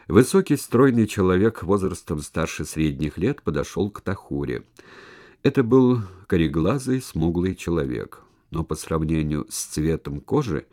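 A man narrating a historical novel as an audiobook in an even storytelling manner. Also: deep voice. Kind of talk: scripted narration.

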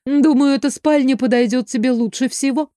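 A woman's voice: high-pitched, fairly even intonation, brisk, warm tone, no echo, studio quality, voice pushed up, close to an everyday voice. A woman voicing a bossy, chatty female housekeeper, in a raised, slightly condescending voice in an audiobook.

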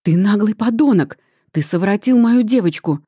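A woman's voice: mid-range voice, unhurried, mellow, dry recording, studio quality, natural voice. A woman reading an audiobook, voicing a hysterical middle-aged mother who screeches accusations in a trembling voice. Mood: shrill outrage.

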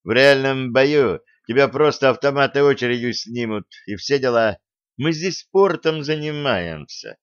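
A hot-tempered older fencing coach barks and scolds at a raised pitch, played by a male reader. The sound is dry and a little dull, like a modest home audiobook recording. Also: measured pace, clean tone, no room sound, close to an everyday voice. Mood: scolding. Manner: scolding, loud, exasperated.

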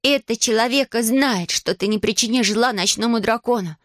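A storybook reader voicing a brave young girl who cries out and pleads in a high, emotional voice. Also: moderate pace, fairly bright tone, no room sound, clean studio sound, lightly acted. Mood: defiant.

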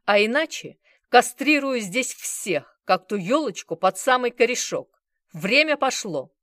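A woman's voice: mid-range voice, very animated, normal speed, fairly bright tone, dry recording, studio quality. A woman voicing a menacing male gang boss who barks threats and orders. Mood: threatening.

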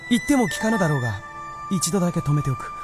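An actor playing a calm, kindly white fox spirit in a radio drama, plain-spoken and thoughtful. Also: male voice, a little high, fast, music in the background. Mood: resigned, caring. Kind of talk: Japanese radio drama acting.

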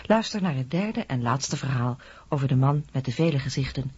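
A woman announces a radio programme from a script. Her voice is a little husky and very dry of room sound, on a slightly dull recording. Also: extremely low pitch, expressive, a little fast, a little mellow, dry recording.

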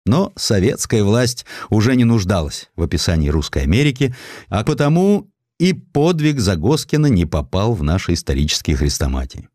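A man reading scripted historical sketches as an audiobook narrator, in an expressive storytelling manner. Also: lowish voice, normal speed, no echo, clean studio sound.

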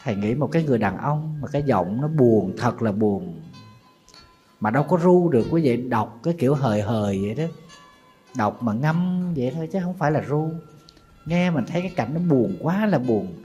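A man's voice: medium pitch, expressive, normal speed, warm tone, breathy edge, soft background music. A middle-aged man, a Buddhist monk with a Southern Vietnamese accent, telling a sad story in a sermon and speaking straight to his listeners. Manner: mournful storytelling, calls himself teacher and addresses listeners directly.

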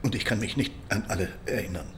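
An actor playing an irritable, reluctant old jeweller in a radio crime drama, halting and grudging, with a breathy, hushed voice. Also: male voice, fairly low pitch, lightly acted. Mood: irritated, defensive. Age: older.

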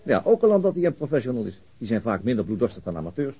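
A man playing a sober, methodical police detective in a radio drama, reasoning in a deliberate, matter-of-fact way. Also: mid-range voice, big pitch swings, slightly rough. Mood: earnest, reasoning. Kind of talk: Dutch radio drama acting. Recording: dull, lo-fi radio drama recording.

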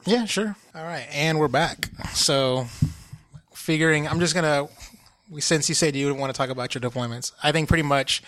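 A man's voice: fairly high pitch, normal speed, fairly bright tone. A man hosting a casual podcast interview, easygoing and joking, swearing casually as he asks questions. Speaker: podcast host.

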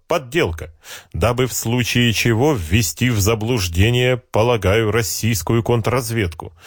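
A man narrating a first-person audiobook in a wry, reflective, steady way. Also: medium pitch, no room sound, studio quality.

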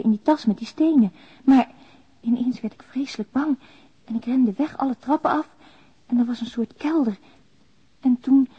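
A woman's voice: a little high, husky. An actress playing an anxious, naive young mother who confides a confession by letter in a radio drama, intimate and hesitant. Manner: intimate, confiding, hesitant, lapsing into near-whispers. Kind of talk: radio drama monologue, letter read in voice-over. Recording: dull, roomy radio drama recording.

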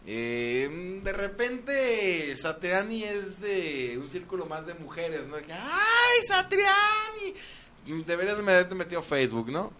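High-pitched, exuberant Mexican male radio host. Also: animated, a little slow, few pauses, fairly bright tone. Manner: teasing, foul-mouthed, exuberant. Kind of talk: lively comedic radio banter.

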